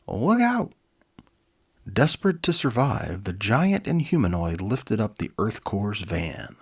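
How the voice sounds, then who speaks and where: A man's voice: lowish voice, animated, a little slow, slightly rough. A man presenting and reading a children's storybook, with an easygoing, informal manner. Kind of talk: dramatic reading with casual asides.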